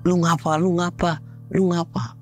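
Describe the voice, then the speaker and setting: A man playing a frantic young hiker, shouting high. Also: big pitch swings, a little slow, faint music behind. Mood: alarmed. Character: panicked young male hiker shouting for his friend.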